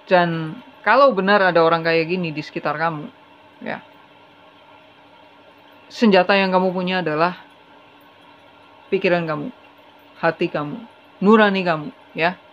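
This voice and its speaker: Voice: medium pitch, normal speed, pauses often, fairly bright tone. A tarot reader giving a casual, chatty reading straight to the viewer, earnest and advising. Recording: slightly dull with faint hiss.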